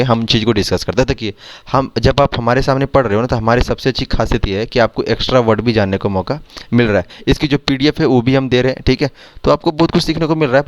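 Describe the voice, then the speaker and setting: Fast-talking Indian man teaching vocabulary. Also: medium pitch, no room sound. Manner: explains words with repeated quiz questions. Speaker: English teacher for exam prep. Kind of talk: Hindi vocabulary lesson over screen.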